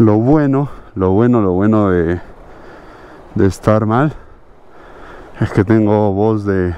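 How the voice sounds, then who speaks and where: The speech is very slow, with ordinary pitch variation. It sounds dry, with no echo. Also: man. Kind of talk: casual vlog chat. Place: open country. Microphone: helmet.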